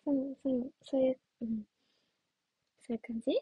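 A woman's voice: high-pitched, little pitch movement, normal speed, husky, no echo, phone-quality sound. A young woman chatting casually on a livestream as an idol trainee, giggly and playful as she answers viewer comments. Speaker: idol trainee streaming live.

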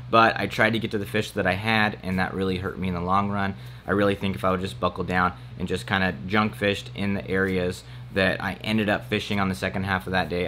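A man's voice: deep voice, bright, forceful tone, slight background noise. A young man, a fishing vlogger, giving a casual, matter-of-fact recap of a tournament and where he went wrong. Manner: plain, matter-of-fact, candid self-critique.

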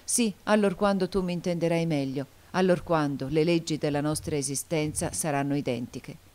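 A woman's voice: low voice, a little mellow, natural voice. A woman doing a solemn mysterious man. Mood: tender. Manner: solemn, grave and measured. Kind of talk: audiobook character reading.

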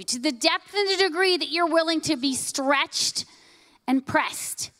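Woman pastor in her forties, bright-pitched and emphatic, preaching on stage with a handheld mic, dry close sound. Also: no echo. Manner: emphatic, rising and dropping to soft hushed lines. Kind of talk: sermon. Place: church stage, large hall.

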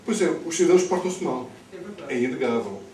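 A man's voice: medium pitch, expressive, brisk, dark tone. A middle-aged man from Lisbon with a Lisbon Portuguese accent, speaking off the cuff at a public political debate, emphatically repeating words as he builds his points. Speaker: candidate speaking on a panel. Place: bookshop-like indoor room with seated audience. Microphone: far camera. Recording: distant camera mic, echoey, noisy room.

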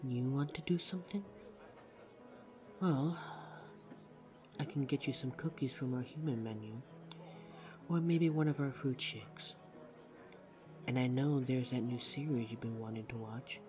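A man's voice: mid-range voice, measured pace, long pauses, lightly acted. Easygoing immortal man acting over music. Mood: relaxed, fond. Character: ageless, easygoing immortal working in a coffee house. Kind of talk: audio drama monologue.

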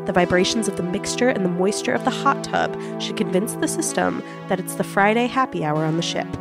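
A woman's voice: medium pitch, brisk, creaky, loud music behind the voice, lightly acted. A woman playing a weary but determined spaceship captain, dry and exasperated, in a comedic audio drama.

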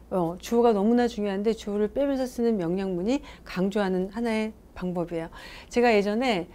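A woman's voice: medium pitch, warm tone. A woman English teacher giving a casual video lesson, chatty and storytelling, asking her viewers questions as she goes.

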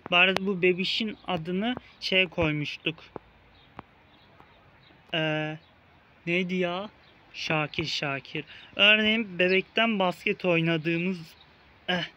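Bright-voiced young man, playful game commentary. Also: high voice, a little hiss or hum. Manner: playful, teasing the game baby with mock insults. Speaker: gaming video host. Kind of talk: casual let's-play commentary. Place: outdoors in a park.

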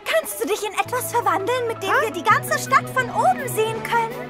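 A woman playing a kind, eager little girl in a German cartoon dub, expressive and encouraging. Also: very high-pitched, a little fast. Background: music.

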